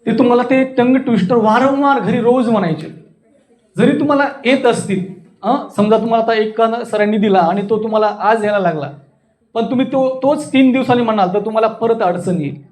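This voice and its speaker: A man's voice: very high voice, brisk, a little mellow. A man with a Marathi accent teaching an interactive public speaking workshop, demonstrating and often checking understanding with questions.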